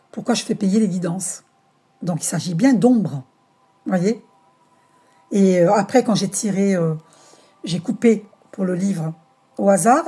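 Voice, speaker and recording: A woman's voice: mid-range voice, dark tone, husky. A woman hosting her own spiritual channel, talking casually to camera while she reads oracle cards, rambling and searching for words with many fillers. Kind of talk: casual spiritual monologue, card reading.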